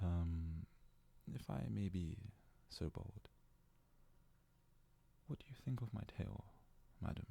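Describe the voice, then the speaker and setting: A man playing a devoted, self-abasing young yandere fox-boy servant in an ASMR roleplay, worshipful and hesitant, often slipping into breathy whispers. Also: low voice, warm tone, full character voice. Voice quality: husky, gravelly, breathy, often dropping to a whisper.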